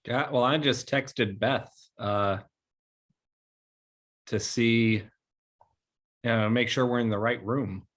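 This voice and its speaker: A man in his thirties speaks in a medium-pitched voice. His talk is informal and conversational, coming over a video call. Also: steady tone, slow pace, pauses often, fairly bright tone. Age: 30s. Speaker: participant in a virtual table read. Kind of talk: casual chat.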